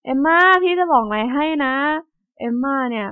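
A woman voicing an eager, mischievous boy who chats quickly like a big brother. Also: high voice, animated. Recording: tinny phone-like sound.

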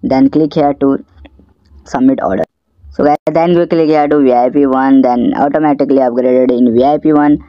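A man's voice: mid-range voice, steady tone, normal speed, no room sound. Male app promoter, South Asian accent, instructional and repetitive, dry close lo-fi voice-over. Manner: repetitive step-by-step instruction in non-native English. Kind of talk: screen-recorded tutorial narration. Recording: dull, lo-fi voice-over.

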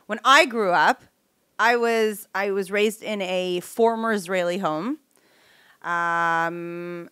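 A woman's voice: mid-range voice, slow pace, pushed and bright, clear, resonant tone, dry recording. Woman in her 30s, podcast host just chatting, close dry mic. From Canada. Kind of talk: casual conversational interview. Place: small home-style studio, indoors. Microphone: close studio microphone with headset monitoring.

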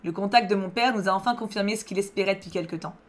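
A woman reading aloud the lines of a young male French singer, a tender lover, in a plain calm voice. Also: medium pitch, racing, natural voice. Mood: thoughtful. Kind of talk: reading visual novel dialogue aloud.

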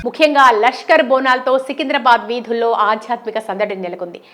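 A woman's voice: on the high side, steady tone, brisk, over music. A woman reading a scripted news report as a voice-over narrator.

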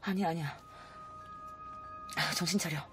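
A woman voicing a troubled middle-aged man who mutters his dark thoughts quietly and low. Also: expressive, a little slow, faint music behind. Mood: brooding.

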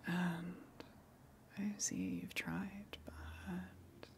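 A woman playing a gentle eldritch tentacle monster in an ASMR roleplay, coaxing and soothing in a breathy whisper with long pauses. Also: lowish voice, big pitch swings, exaggerated voice. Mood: soothing, knowing.

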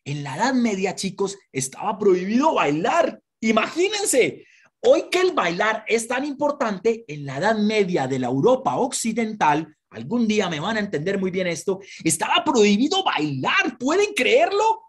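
Woman presenter for children, husky voice, lively and full of questions. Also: mid-range voice, moderate pace. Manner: animated, asks children questions and has them repeat words.

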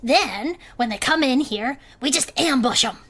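A woman's voice: sits high, expressive, a little slow, a bit bright, full character voice. A woman voicing an earnest clawed creature adventurer who teases her friend, in an audio drama. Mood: earnest, playful. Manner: earnest, playful teasing.

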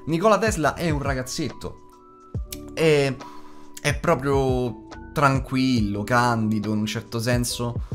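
Guy in his 20s chatting through a movie review, blunt and sweary, really animated pitch, bit of music behind. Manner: blunt, colloquial, freely swearing. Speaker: film reviewer, channel host. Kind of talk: casual, unscripted video review. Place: small foam-treated home studio indoors. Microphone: large studio condenser microphone.

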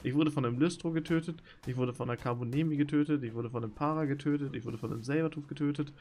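A young man streaming a video game, talking to his viewers and reacting loudly to the action. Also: a little high, very fast. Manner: excitable, swings between shouting and muttering. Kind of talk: live gaming commentary.

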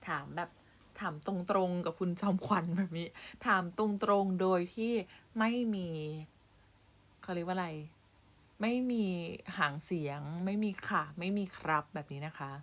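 A woman's voice: fairly low pitch, fairly even intonation, moderate pace, a bit bright. A woman teaching young primary pupils, reading a story aloud and stopping to explain words patiently. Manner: patient, addresses pupils directly with polite particles. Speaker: primary school Thai teacher.

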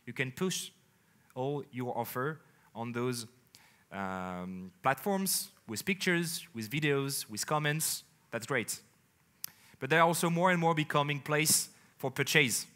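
A man in his thirties with a French accent, giving an energetic conference keynote on a large indoor stage, speaking in phrases with emphatic pauses. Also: medium pitch. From France. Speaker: company executive presenting on stage.

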